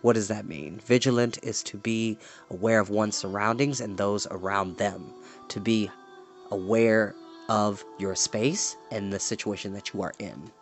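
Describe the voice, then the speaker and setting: A young adult man with an American accent, hosting an expressive storytime reading with casual asides. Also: lowish voice, a little slow, soft background music. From East Cleveland, United States. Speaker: storytime host. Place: small indoor home room with shelves.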